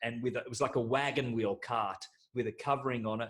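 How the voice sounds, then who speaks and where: A man speaks at a fairly quick pace in a medium-pitched, somewhat breathy voice. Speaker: podcast host, meditation creator. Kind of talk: interview.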